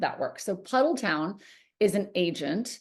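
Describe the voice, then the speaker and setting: With an unremarkable speaking voice, a woman of medium pitch speaks at a moderate pace with lively intonation against a quiet background. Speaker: acting teacher. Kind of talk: workshop talk. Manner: casual.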